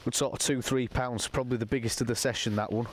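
A young man talking casually to camera while fishing from a lake bank outdoors, explaining his session in a relaxed, matter-of-fact way. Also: mid-range voice, fast, slight background noise. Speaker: angler presenting a fishing session.

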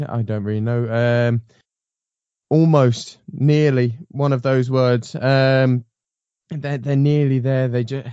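A man's voice: mid-range voice, dark tone, smooth, dry recording, lo-fi sound. A man hosting a casual motorsport panel chat, rambling with frequent ums and restarts. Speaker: podcast host.

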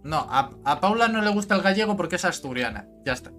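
A man's voice: high voice, lively intonation, quick pace, pushed and bright, faint music behind. A man chatting casually on voice chat, teasing and arguing his point.

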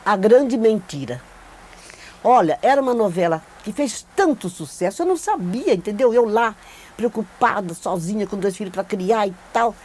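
Speaking at medium pitch with lively intonation, this veteran actress from Brazil gives a testimony about her career in a recorded oral-history session. Her delivery is moderate in pace, slightly mellow and breathy, full of animated, emphatic repetition. She's seated in an indoor studio before a plain backdrop, wearing a lapel mic.

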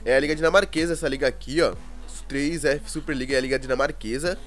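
A young Brazilian man with a cold, his voice congested and hoarse, chatting casually through gaming news and constantly checking in with viewers. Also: fairly high pitch, fairly even intonation, quick pace, fairly bright tone. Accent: Brazilian Portuguese. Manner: chatty, keeps asking the viewers "né, cara?". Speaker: gaming YouTuber.

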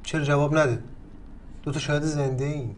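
A man's voice: on the high side, fairly even intonation, slight background noise, lightly acted. An actor playing a man in a film drama who lays out a plan with confident, persuasive instructions. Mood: instructive. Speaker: man advising on a legal plan. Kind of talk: Iranian film drama acting.

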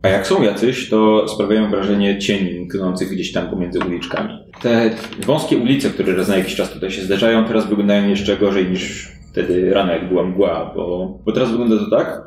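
A man's voice: low-pitched, fairly even intonation, brisk, hardly any pauses, darkish tone, slight background noise. A man running a tabletop role-playing game, improvising descriptive narration in a conversational way. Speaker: game master. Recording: roomy, echoey indoor recording.

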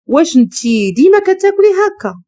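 A woman's voice: extremely high pitch, big pitch swings, a little fast, mellow, pitched above the performer's own voice. A woman reading a cold, bossy rich man. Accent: Moroccan Arabic. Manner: cold, scolding and commanding. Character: harsh, domineering wealthy man, master of a palace.

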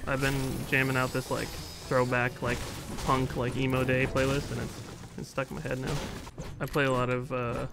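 A young man in his twenties talking casually through a headset while gaming, soft-spoken and a bit hesitant, with game sounds and guitar music behind him. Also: medium pitch, flat delivery, moderate pace, vocal fry. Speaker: streamer and singer. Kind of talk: casual gaming chat with strangers.

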